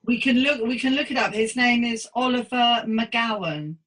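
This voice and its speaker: A woman's voice: a little high, moderate pace, fairly bright tone, rough recording. A woman hosting a conversational interview podcast, chatty and affirming, rephrasing as she goes. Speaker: podcast host.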